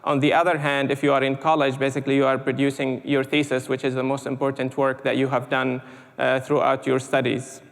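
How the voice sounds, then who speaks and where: A man from Syria giving a conference talk, halting, with many "uh"s and repeated words. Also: medium pitch, monotone, gravelly. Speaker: panel speaker. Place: lecture hall. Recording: echoey hall reverb.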